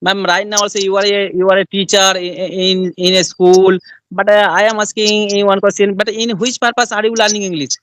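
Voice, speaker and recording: A man's voice: high voice, level tone, fairly quick, a bit bright, no echo, rough recording. Polite man asking questions. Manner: polite, frequent "yes, yes" acknowledgements. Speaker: interviewer. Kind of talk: English practice interview.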